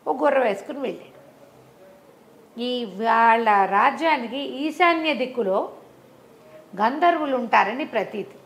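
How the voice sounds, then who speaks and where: A woman's voice: fairly high pitch, lively intonation, measured pace, long pauses, a bit bright. A woman storyteller narrating a folk tale in a conversational, explanatory way, repeating phrases for emphasis.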